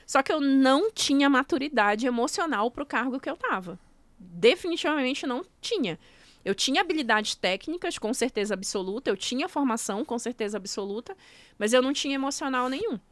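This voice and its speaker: A woman with a fairly high voice talks as a podcast guest, laying out her points one step at a time. Her comes through in easy, casual speech. The sound is close and dry, with no room behind it. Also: expressive, fairly quick, dry recording. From Brazil. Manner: explanatory, walks through steps one by one. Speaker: guest, nutrition coach.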